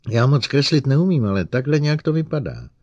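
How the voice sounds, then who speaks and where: A man's voice: mid-range voice, very animated, a little mellow, slightly rough, no room sound, muffled recording, pitched above the performer's own voice. A man voicing a friendly, somewhat shy young male engineer who talks eagerly and confides. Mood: chatty.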